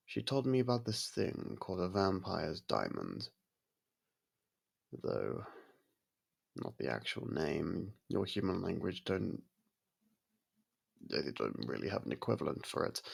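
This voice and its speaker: A man playing a courteous, brooding vampire in an intimate ASMR audio roleplay, with a gravelly, husky voice and halting, hushed delivery. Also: sits low, exaggerated voice. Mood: reflective, wistful. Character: brooding male vampire, courteous, softened toward a human. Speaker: voice actor.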